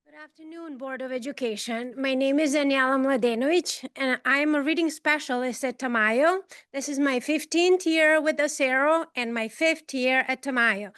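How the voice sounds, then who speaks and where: Bright, high-voiced woman with a Serbian accent. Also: moderate pace, hardly any pauses, no room sound, clean studio sound. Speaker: teacher giving public comment. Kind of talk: prepared speech at a public meeting.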